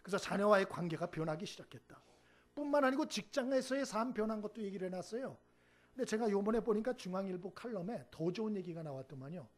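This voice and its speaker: A man preaching as a pastor, telling stories with lively acted-out quotes and asking the congregation for responses. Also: sits high, fast. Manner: animated storytelling, acts out quoted speech, asks the congregation "응?". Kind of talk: sermon.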